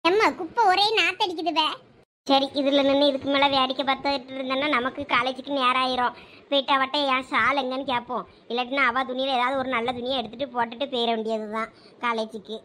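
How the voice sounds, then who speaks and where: Sulky teen daughter, high bright voice, Thoothukudi Tamil accent, cartoon. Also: female voice, a little fast, slight background noise. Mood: chatty. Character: sulky teenage village daughter in college. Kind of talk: cartoon voice acting.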